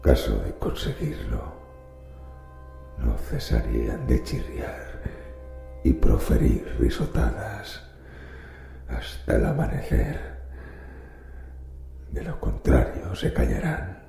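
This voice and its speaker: A man playing a dying, mad old grandfather in a horror radio drama, sinister and halting, with a gravelly, gasping croak. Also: a bass voice, huge pitch swings, warm tone, exaggerated voice. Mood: ominous defiance. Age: older. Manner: halting, gasping deathbed speech. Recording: roomy echo with background music.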